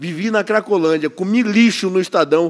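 This man's voice is high, with lively intonation. He keeps a moderate pace against a quiet background. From Bahia, Brazil. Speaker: bodybuilder; podcast guest. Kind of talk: casual chat. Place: studio. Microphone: studio mic.

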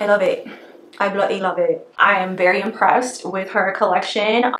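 Putting on a raspy character voice, a woman speaks at a medium pitch and a moderate pace. Echo is audible, with light background noise. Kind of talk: casual, enthusiastic, uses 'bloody'. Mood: enthusiastic, pleased.

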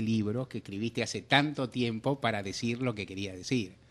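A man with an Argentine accent talks at a moderate pace with ordinary pitch variation. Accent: Rioplatense Argentine Spanish. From Argentina. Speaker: radio host. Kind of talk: radio interview. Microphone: studio mic.

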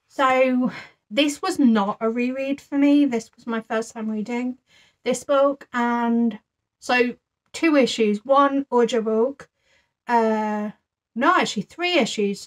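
A woman's high voice at a very slow pace, with ordinary pitch variation and a dry, close sound free of echo. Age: 30s. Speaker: book video creator. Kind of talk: casual monologue book review. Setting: home video recording.

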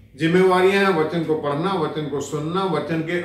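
Noticeable room echo around a male voice whose pitch varies in an ordinary way. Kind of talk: sermon / Bible teaching. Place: home room.

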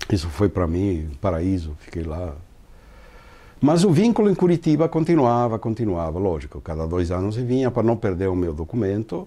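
His voice is fairly low in pitch for a man. The pitch swings very widely. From Bolivia, La Paz. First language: Spanish (speaking Portuguese). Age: 60s. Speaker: composer and guitarist; interviewee. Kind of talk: personal testimony interview. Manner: halting. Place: studio. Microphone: lapel.

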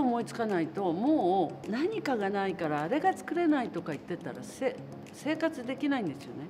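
A woman speaks at a fairly quick pace with very wide pitch swings. There is light background noise. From Japan. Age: 70s. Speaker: actress. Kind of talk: casual interview talk. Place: studio.

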